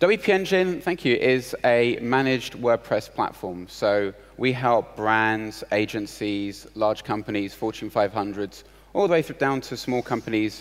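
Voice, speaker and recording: A man with a British accent at a fairly slow pace. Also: medium pitch for a man, lively intonation. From London, England. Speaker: panel moderator, tech entrepreneur. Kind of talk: panel discussion. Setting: stage with audience.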